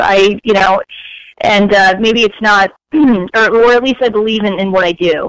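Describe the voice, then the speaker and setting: In an ordinary speaking voice, a woman with a fairly high pitch talks at a moderate pace and very even loudness, the sound dry and close with no echo. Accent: American. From South Florida (Fort Lauderdale). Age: 30s. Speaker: recording artist. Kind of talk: interview.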